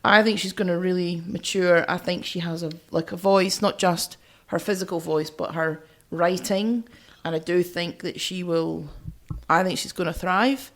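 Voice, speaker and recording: Lower-voiced woman chatting as podcast co-host. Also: fairly even intonation, normal speed. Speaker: podcast co-host reviewing albums. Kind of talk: casual chat.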